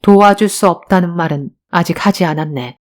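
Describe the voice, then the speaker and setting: A woman's voice: on the low side, a little mellow, lightly acted. A woman voicing a cold, composed young detective. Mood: cool. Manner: cold, measured, dry. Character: cool composed young male detective, tall and strong.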